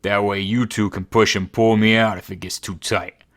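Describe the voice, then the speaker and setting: A gruff orc warrior with a deep, barking voice, low and loud with a rough edge. Coarse and short-tempered, he growls his commands through an audiobook fantasy tale, as a woman narrator puts him on. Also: level tone, moderate pace. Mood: gruff, irritated. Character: towering gruff male orc warrior leader.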